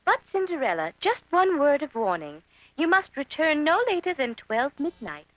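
A woman's voice: high voice, big pitch swings, moderate pace, fairly bright tone, no room sound. A woman voicing a kindly, motherly fairy godmother in a children's storybook drama, sweet, fussing and reassuring. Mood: kindly warning. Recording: dull lo-fi audio under music.

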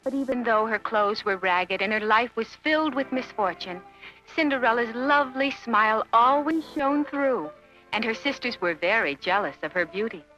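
A woman storyteller reads a children's fairy tale expressively, in a bright, somewhat high voice. Her delivery is measured and scripted, with soft music behind and a slightly dull recording. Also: animated. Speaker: storyteller narrator.

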